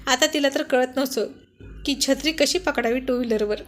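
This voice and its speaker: A woman tells a romantic story in a high, lively voice. Her narration is conversational, as if recounting family anecdotes. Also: brisk.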